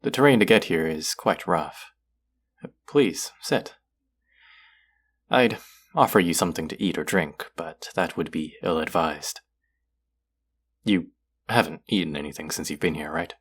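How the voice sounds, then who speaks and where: A man playing an aloof, lonely lord of the underworld who is secretly soft, speaking formally and wryly to the listener in an intimate audio roleplay. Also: sits low, a little slow, pauses often. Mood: reserved, curious. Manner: formal, wry, guarded, addressing the listener directly.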